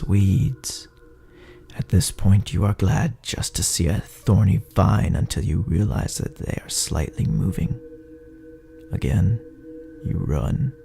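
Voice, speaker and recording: A man narrating a second-person sci-fi horror story in an ominous, dramatic way, his gravelly, breathy voice often sinking toward a whisper. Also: low voice. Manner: ominous, drawn-out, dramatic phrasing. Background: music.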